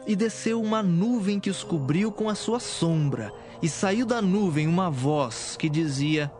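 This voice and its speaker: A man narrating scripture from a script in a measured, solemn manner. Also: high voice, lively intonation, darkish tone. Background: music.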